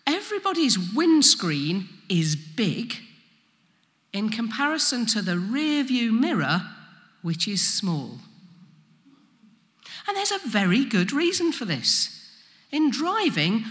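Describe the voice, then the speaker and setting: A woman preacher with a Leicestershire East Midlands accent and flat vowels, delivering a sermon in a deliberate, explanatory way with stress on key words. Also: mid-range voice. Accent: East Midlands English, Leicestershire. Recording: long reverberant hall echo.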